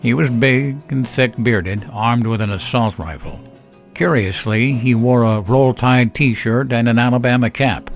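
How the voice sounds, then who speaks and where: A man's voice: mid-range voice, a little slow. A man reading a scripted work of fiction as narrator. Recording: roomy echo, faint music bed.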